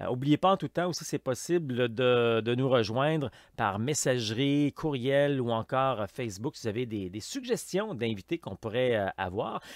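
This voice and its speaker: A man with a Quebec accent and lively intonation, at a moderate pace with hardly any pauses, dry and close with no echo, on a very clean recording with a silent background. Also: medium pitch for a man. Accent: Québécois. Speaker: hiking podcast host, journalist and speaker. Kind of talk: casual interview show intro. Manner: hesitant with frequent fillers.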